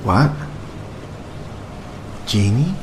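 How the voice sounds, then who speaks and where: Actor as a nervous, hesitant meek man, lively pitch. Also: very slow, background noise. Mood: anxious. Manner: hesitant, stammering. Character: nervous, meek, stammering married man, failed comedian. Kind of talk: radio drama acting.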